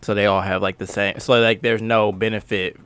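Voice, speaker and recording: A man in a casual sports podcast chat, measured and explanatory when making his points. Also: on the low side, little pitch movement, a bit bright, clear, resonant tone, no room sound.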